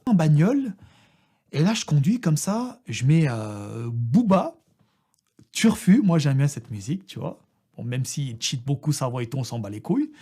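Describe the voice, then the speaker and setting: A young man from France telling a crude, slangy comic story about a trip, full of swearing and laughing asides. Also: medium pitch. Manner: slangy, vulgar, animated, often laughing. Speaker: vlogger.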